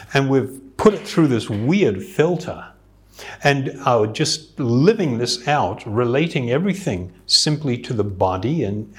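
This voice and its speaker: A man who teaches yoga, giving an earnest, reflective spiritual talk and chuckling now and then. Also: mid-range voice.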